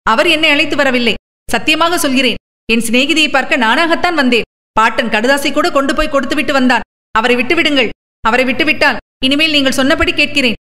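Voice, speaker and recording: A woman's voice: fairly quick, pushed and bright. A woman reading as a pleading young girl. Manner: pleading, earnest, raised pitch. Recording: long reverb.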